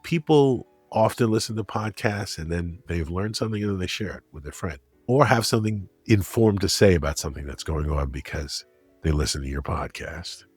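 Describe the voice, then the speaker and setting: A man's voice: sits low, a little fast, breathy edge, no echo, faint music behind. A man being interviewed as a guest, explaining his advice conversationally with examples and rhetorical questions. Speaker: guest, media critic and broadcaster.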